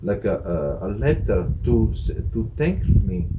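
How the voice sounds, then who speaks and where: A middle-aged Italian man with an Italian accent, a hotel director talking as an interview guest, halting with many fillers and restarts. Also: lowish voice, big pitch swings, noisy background. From Italy. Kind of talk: casual interview chat.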